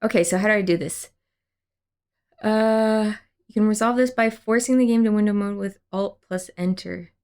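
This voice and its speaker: A woman's voice: medium pitch, normal speed, darkish tone, clean tone. A young woman chatting casually on a game stream, rambling through a story and reading chat aloud. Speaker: livestreamer.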